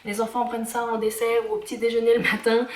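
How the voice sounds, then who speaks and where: A woman talking casually through a haul vlog at home, chatty and halting with many fillers. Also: a little high, completely flat delivery, echoey room. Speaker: vlogger. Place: home kitchen and garage.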